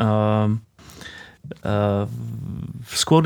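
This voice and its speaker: A man with a medium pitch is heard on a very clean recording with a silent background. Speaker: pastor. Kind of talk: casual chat.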